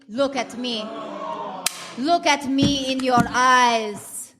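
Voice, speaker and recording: A woman's voice: high-pitched, bright, forceful tone, heavily acted. A woman voicing a haughty, indignant vampire customer in a comic radio play on stage. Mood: affronted. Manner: indignant, melodramatic. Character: haughty, outraged vampire customer at a drive-through. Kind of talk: comic radio play before a live audience. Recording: noisy live theater stage recording.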